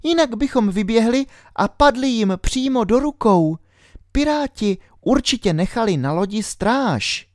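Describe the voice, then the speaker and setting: A man voicing a curious, brave little girl who calls out in a high childlike voice. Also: animated, no echo, clean studio sound. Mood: wary.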